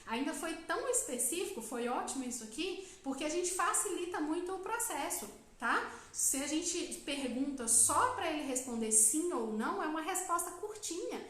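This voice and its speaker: A Brazilian woman, a psychologist, giving a live-stream talk and explaining step by step, often checking in with her listeners with a quick "tá?". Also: high-pitched, big pitch swings, fairly bright tone, heavy reverb. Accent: Brazilian Portuguese. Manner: explanatory, frequent "tá?" check-ins, asks questions and answers them herself.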